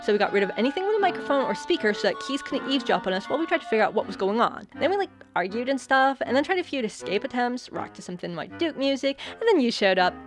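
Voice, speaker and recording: A woman plays a breezy teenage girl who loves the stage. Her high voice swings freely as she chatters in slangy, dramatic fashion, with clear music behind her in an audio comedy. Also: big pitch swings, fast, few pauses. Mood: breezy storytelling.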